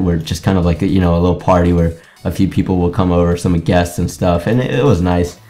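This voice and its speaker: A man's voice: sits low, warm tone. A young Greek-born man with an American accent, chatting casually and rambling over his own gameplay, full of fillers and restarts. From Greece. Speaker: gaming YouTuber.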